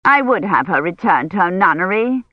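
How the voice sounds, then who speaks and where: A narrator voicing an imperious, complaining old noblewoman who gives sharp commands and keeps insisting. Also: mid-range voice, very animated, moderate pace, no echo, dull audio. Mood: insistent.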